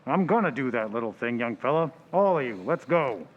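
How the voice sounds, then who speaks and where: A man's voice: mid-range voice, big pitch swings, fairly quick, lo-fi sound, over music, lightly acted. A man playing a no-nonsense, authoritative police detective sergeant in an old-time radio drama. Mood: stern, businesslike. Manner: curt, authoritative, slangy.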